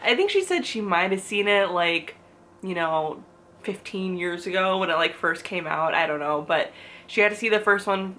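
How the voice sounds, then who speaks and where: A woman's voice: lowish voice, bright, forceful tone. A young woman vlogging casually to camera, stuffy-nosed with a cough, bubbly and chatty. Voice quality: bubbly and chatty, with frequent "like" and laughs. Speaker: book and lifestyle vlogger.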